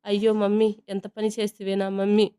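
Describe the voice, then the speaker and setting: Whiny, teasing young brother, read by a female storyteller, mellow and smooth, flat. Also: medium pitch, brisk, lightly acted. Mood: whining. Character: cheeky joking young man, playful brother.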